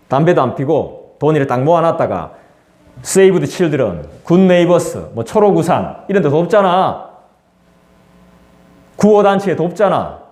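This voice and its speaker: A man with a slightly high, somewhat mellow voice preaches as pastor in a church sanctuary. His delivery is conversational, he acts out quoted voices, and the room echoes.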